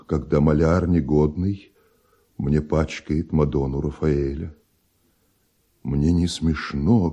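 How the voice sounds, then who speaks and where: A stern, brooding composer with an extremely low, dark, husky voice. He declaims verse solemnly and weightily in a radio drama, with faint music behind. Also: dull audio, exaggerated voice. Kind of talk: slow theatrical radio play acting in verse.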